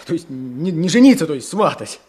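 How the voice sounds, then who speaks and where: A man's voice: fairly high pitch, big pitch swings, darkish tone. An actor playing an impulsive, stubborn, earnest young village man in a Russian radio drama, talking with impatient insistence. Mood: earnest, embarrassed. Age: young adult. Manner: impatient, insistent, halting when embarrassed.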